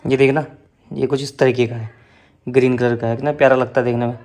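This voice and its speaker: A man's voice: medium pitch, flat delivery, fast, darkish tone. A man vlogging at home, chatting casually to viewers and giving advice. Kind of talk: casual family vlog chat. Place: at home indoors.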